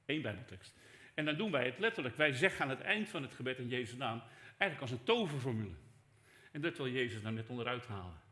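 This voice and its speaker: Older man, pastor, conversational sermon, bright voice, echoey church. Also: medium pitch, lively intonation, fast. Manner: conversational preaching, swinging between soft asides and raised emphasis. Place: church hall.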